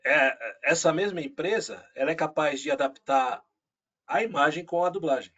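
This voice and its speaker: A man with a Brazilian Portuguese accent, a voice actor chatting casually as an interview guest, animated and full of asides. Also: on the high side, moderate pace, highs cut off. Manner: animated, frequent fillers and asides.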